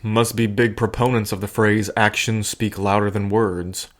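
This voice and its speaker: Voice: medium pitch, little pitch movement, normal speed, natural voice. A performer acting a protective, stubborn friend in an audio drama, speaking firmly with dry sarcasm and care. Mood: concerned, wry. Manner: firm, sarcastic, caring.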